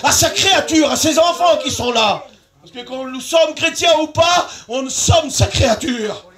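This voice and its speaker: High-pitched man preaching fervently. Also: measured pace. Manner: fervent, repetitive, rising into shouts and sing-song. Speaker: pastor. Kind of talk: evangelistic sermon. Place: large tent at an evening revival meeting.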